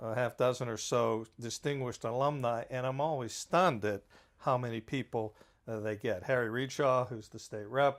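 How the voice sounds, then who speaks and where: On a very clean recording with a silent background, an ordinary speaking voice with an American accent moves at a moderate pace with fairly even intonation. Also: man. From Pittsburgh, Pennsylvania (Carrick). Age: 60s. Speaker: neighborhood resident, former community council member. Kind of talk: talk show interview.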